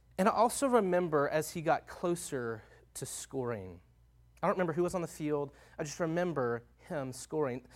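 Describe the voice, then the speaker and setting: In a Texan accent, a man with a fairly high pitch talks at a fairly quick pace with lively intonation. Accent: Texan Southern US. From Northeast Texas, US. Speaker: campus minister, guest preacher. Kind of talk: sermon. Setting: church.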